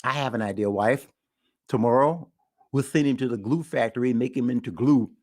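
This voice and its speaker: A man's voice: mid-range voice, a little fast, a little mellow, lightly acted. A man voicing a stern old farmer with a blunt, declaring manner. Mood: decisive.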